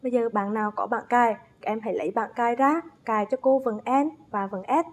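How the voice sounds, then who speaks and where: A little high with a breathy edge, the voice belongs to a primary school teacher giving a first-grade phonics lesson. She speaks slowly and precisely, stretching out spelling drills as she calls young pupils to read along.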